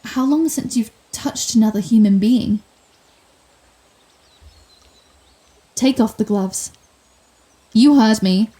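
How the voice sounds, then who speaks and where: A woman's voice: a little high, a little slow, mellow, natural voice. A woman playing a sardonic telepathic supervillain in an ASMR roleplay, theatrical and sarcastic, menacing with a hidden compassionate streak. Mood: softening, concerned. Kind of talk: ASMR roleplay audio drama.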